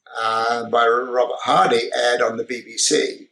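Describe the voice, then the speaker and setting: A man speaks with a British accent. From UK. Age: 70s. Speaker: historical weapons specialist and TV presenter. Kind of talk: interview.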